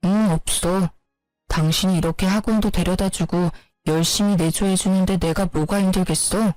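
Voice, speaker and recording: Evasive young husband, defensive and smooth-talking, read by a woman. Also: lowish voice, steady tone, normal speed, a little mellow, no room sound, soft background music, lightly acted, rough recording. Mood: calm. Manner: defensive, brushing off accusations.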